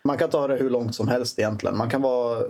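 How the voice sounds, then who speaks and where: A man, a comedian guest on a podcast, giving mock-serious advice in a deadpan way. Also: medium pitch. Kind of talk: podcast chat.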